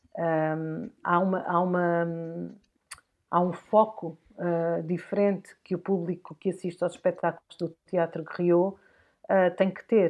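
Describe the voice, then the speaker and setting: A woman's fairly low voice at a fairly slow pace, in monotone, flat intonation. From Portugal, raised there from age two (born in Angola). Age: 40s. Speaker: actress and theatre director. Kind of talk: interview. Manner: halting, many fillers and repetitions; thoughtful, measured.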